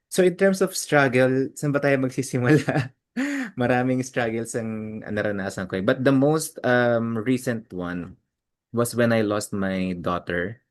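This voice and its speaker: A man, a guest in an interview. He talks politely and deferentially, switching between two languages. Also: fairly low pitch. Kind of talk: personal interview.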